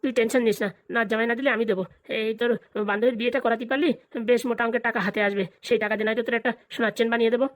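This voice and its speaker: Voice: medium pitch, fairly even intonation, very fast, dry recording, lightly acted. A performer voicing a protective, crafty village grandfather in a comedy cartoon, talking colloquially and grumbling. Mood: doting. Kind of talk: exaggerated cartoon comedy dialogue.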